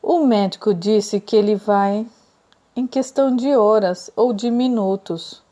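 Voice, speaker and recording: Woman doing grieving young man, subdued, mellow tone. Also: medium pitch, measured pace, lightly acted. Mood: sorrowful. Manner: subdued, sorrowful.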